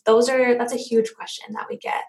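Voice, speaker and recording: Soft-spoken woman asking questions. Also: on the high side, level tone, fairly quick. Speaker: co-host reading viewer questions. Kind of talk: casual live-stream chat.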